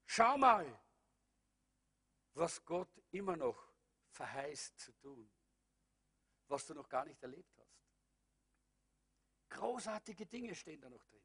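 A man's voice: on the high side, expressive, a little slow, long pauses, slightly rough. A man preaching a sermon that ends in prayer, fervent and calling out hallelujah again and again. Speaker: pastor.

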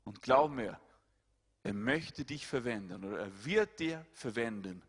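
A male pastor, preaching a sermon and swinging between loud, high-pitched appeals and quiet, low asides. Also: expressive, a little slow, husky. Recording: hall reverb.

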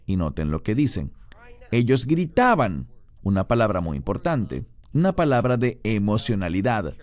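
A man's voice: lowish voice, big pitch swings, normal speed. A man preaching a sermon verse by verse, reading scripture and then explaining it. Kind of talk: expository sermon.

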